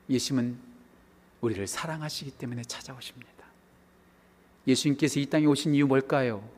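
A male pastor preaching a sermon live in church, swinging between loud emphatic lines and hushed ones. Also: on the high side. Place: church sanctuary. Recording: long reverb of a large hall.

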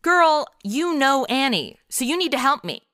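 A snarky, modern American woman in her twenties in a comic audio drama. Her voice is bright and swings widely in pitch. She is slangy and exasperated, recorded very dry. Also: very animated, moderate pace, no room sound, exaggerated voice. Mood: sarcastic, insistent. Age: young adult. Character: sarcastic modern twenty-something woman zapped into old radio noir. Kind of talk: comedic audio drama, first-person narration and dialogue.

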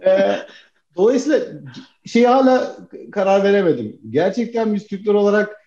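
Man from Turkey, casual chat, high voice, dark mellow tone, echoey room, dull lo-fi sound. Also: lively intonation, moderate pace. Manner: chatty, laughs often, addresses friends as abi. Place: living in the United States. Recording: dull roomy home recording.

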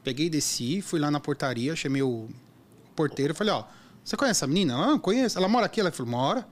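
Brief: male driver, casual storyteller, quick and very animated. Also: fairly high pitch. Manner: animated storyteller, acts out quotes. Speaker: app driver. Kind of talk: casual chat.

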